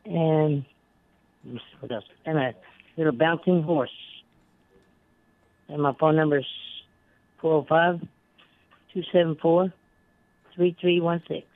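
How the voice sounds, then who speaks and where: A man calling in to a radio swap show over the phone, listing items for sale with halting pauses. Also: on the high side, steady tone, no echo. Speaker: caller. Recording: narrow tinny phone line.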